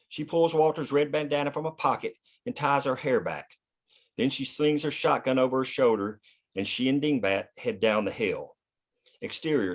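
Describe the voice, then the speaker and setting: A man narrating the scene directions of a screenplay at a table read. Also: medium pitch. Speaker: narrator reading stage directions.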